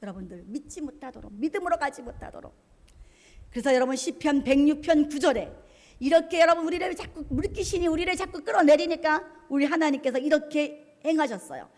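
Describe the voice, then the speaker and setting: A woman pastor preaching an impassioned sermon, swinging between hushed and loud, acting out the words of God and of tempters. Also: sits high, brisk. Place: church sanctuary. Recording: long church hall reverb.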